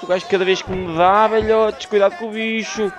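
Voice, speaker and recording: A man with a European Portuguese accent giving excited gameplay commentary, swearing and rapidly repeating words. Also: high voice. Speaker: gaming commentator. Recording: loud crowd and game noise behind. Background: game crowd noise.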